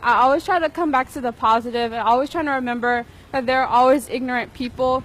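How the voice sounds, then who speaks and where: A young woman speaks in a steady, firm way. Her voice sits fairly high. The recording is clean. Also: fast. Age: young adult. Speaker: university student interviewee.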